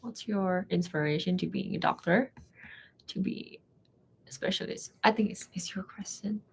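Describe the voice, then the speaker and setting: A young woman with a Thai accent, a native Thai speaker, chatting casually in halting non-native English. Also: on the low side, gravelly, slightly rough, in a whisper, poor audio. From Thailand. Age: young adult. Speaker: guest, medical trainee. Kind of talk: casual chat.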